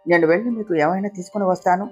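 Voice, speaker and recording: A woman voicing a self-sacrificing young wife, speaking softly and pleadingly, in a read-aloud family story. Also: lowish voice, racing, dull audio, soft background music, natural voice. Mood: sad tender.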